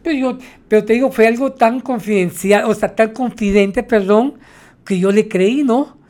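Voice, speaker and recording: A man's voice: high voice, normal speed, a little mellow. A man, a taxi driver, telling his stories in a rambling way, tagging his sentences with "¿no?". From Mexico. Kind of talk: storytelling interview.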